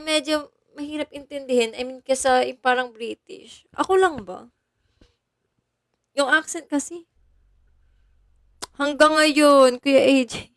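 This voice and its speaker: This young woman from Bulacan, Philippines, is an idol livestreamer chatting casually on her phone and thanking viewers by name. Her voice sits high, and the recording is dry with clean studio sound.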